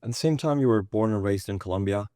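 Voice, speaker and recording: A man's voice: on the low side, quick pace, warm tone, no room sound, clean studio sound. Man asking brief probing questions. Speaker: podcast host. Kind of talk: interview questions.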